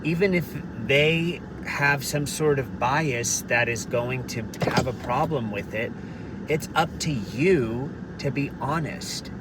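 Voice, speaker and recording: Deep-voiced man, candid vlogger, talks earnestly from a distance from the mic, noticeable traffic noise behind. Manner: earnest, candid, occasionally swears. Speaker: vlogger answering questions. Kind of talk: casual Q&A monologue. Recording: distant mic, noisy background.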